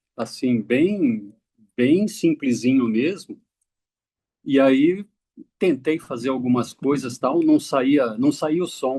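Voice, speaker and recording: This man talks at a very slow pace with long, frequent pauses, his pitch medium and its variation ordinary. His tone is dark and mellow. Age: 60s. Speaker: retired violin student. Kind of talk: casual interview. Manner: halting.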